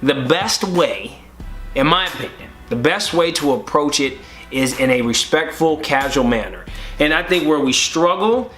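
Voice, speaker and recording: A young man co-hosting a podcast, giving casual advice in a relaxed way, often restarting words and acting out sample conversations. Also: on the high side, moderate pace, soft background music. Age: young adult. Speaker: podcast co-host.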